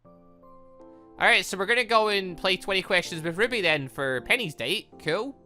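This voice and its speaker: A gaming host talks through a visual novel in an animated, exclamatory way. The voice is bright and swings widely in pitch, sitting in a middle register. Music plays behind the commentary. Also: normal speed. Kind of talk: let's play commentary, reading visual novel dialogue aloud.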